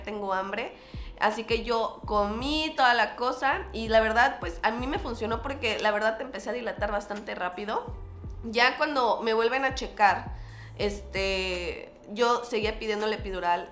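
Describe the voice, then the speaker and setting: A Mexican woman vlogger telling a personal story in a casual, animated way, acting out quoted dialogue. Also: mid-range voice, echoey room. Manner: animated, acts out quoted dialogue with lots of fillers.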